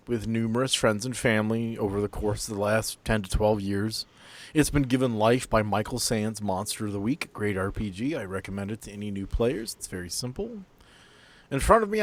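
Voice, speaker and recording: A man hosting a tabletop game podcast as game master, chatting casually with playful, teasing banter. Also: mid-range voice.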